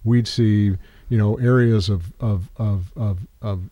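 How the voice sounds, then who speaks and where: A man's voice: fairly low pitch, steady tone, slow, no echo, muffled recording. A man in his sixties explaining sound waves in casual chat, rambling and repeating words as he works through an idea. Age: 60s.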